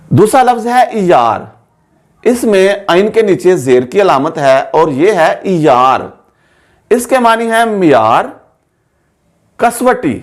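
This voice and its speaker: Man, Urdu teacher, slightly high voice, slow and deliberate, repeats words carefully. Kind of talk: pronunciation lesson.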